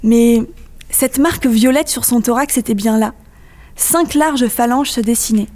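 A woman reading aloud her own eerie first-person story, with measured storytelling. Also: a little high, a little mellow.

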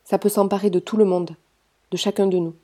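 A woman's voice: mid-range voice, steady tone, brisk, mellow, lightly acted. A woman reading the lines of a serious, convinced teenage girl who fears an evil that spreads. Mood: earnest. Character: earnest frightened teenage girl.

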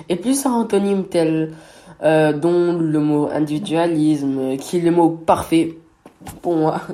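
A man's voice: fairly high pitch, warm tone. A man co-hosting a radio show about words, reading his part and teasing his partner playfully. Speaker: co-host of a word radio show. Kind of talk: scripted radio chat with teasing banter.

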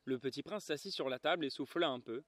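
A man calmly reading a children's novel aloud in a garden, in a measured storytelling manner. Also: medium pitch, no echo. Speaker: reader. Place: garden, outdoors.

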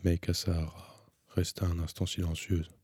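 A man narrating a literary audiobook in a slow, measured, subdued manner. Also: low-pitched, flat delivery, darkish tone, breathy edge, dry recording, clean studio sound.

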